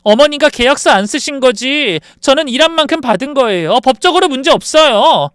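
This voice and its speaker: A smug, scheming young daughter-in-law, as a man puts her on, coldly polite and defiant. The voice is high, smooth and clear, set in a dry, close recording. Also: animated, a little fast, fairly bright tone, no echo. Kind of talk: dramatized story reading.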